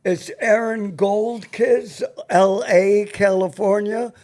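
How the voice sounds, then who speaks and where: An older American man hosts a casual chat show. His voice is notably high for a man, and he talks at a slow, unhurried pace. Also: fairly even intonation, a little mellow. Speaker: talk show host.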